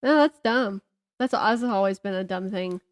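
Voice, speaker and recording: A woman's voice: mid-range voice, normal speed, no echo, studio quality. A young woman chatting casually as a podcast co-host. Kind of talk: casual chat.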